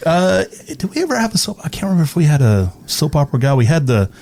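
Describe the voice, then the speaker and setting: A man's voice: on the high side, sing-song, fast talker, vocal fry, darkish tone. A middle-aged man from East Texas chatting casually as a guest, telling anecdotes in a good-humoured way. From East Texas, United States. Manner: good-humoured, chuckles through his stories. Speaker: guest, veteran radio personality.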